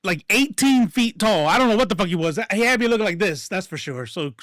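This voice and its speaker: A man telling stories in casual chat, profane and animated, acting out what people said. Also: high-pitched, a little fast, dry recording, studio quality. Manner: profane, animated, acts out quotes.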